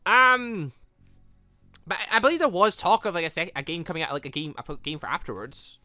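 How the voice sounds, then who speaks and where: A man's voice: high voice, animated, a little fast, sharp tone, dry recording, faint music behind. A man giving rambling commentary on a visual novel game, exclaiming and breaking off mid-sentence. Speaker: gaming channel host, let's player.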